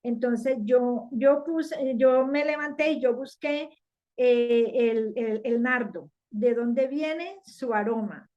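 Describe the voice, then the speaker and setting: A woman giving a personal religious testimony, earnest and halting, with many fillers and restarts. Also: fairly high pitch, dark tone. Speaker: church member giving testimony. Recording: dull lo-fi sound.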